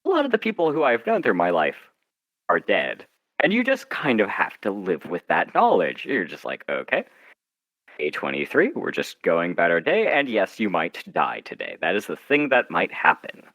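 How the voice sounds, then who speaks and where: A man being interviewed as an author, chatting casually in a wry, self-deprecating way, haltingly and with little acted-out asides. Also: low-pitched, wildly swooping pitch, fairly bright tone, no room sound.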